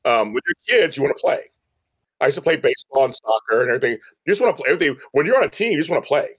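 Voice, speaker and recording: A man's voice: medium pitch, expressive, racing, husky, no room sound. A middle-aged man talking candidly as a podcast guest, emphatic and repeating phrases to make his point. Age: middle-aged or older, grandfather. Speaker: podcast guest, media company CEO. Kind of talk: candid conversational interview.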